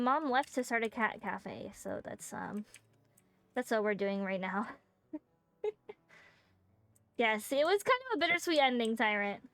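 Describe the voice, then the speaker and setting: A woman's voice: sits high, fairly bright tone, dry recording. A woman streaming a game in casual chat, joking and rambling with many fillers, close to a desk microphone. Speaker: VTuber streamer.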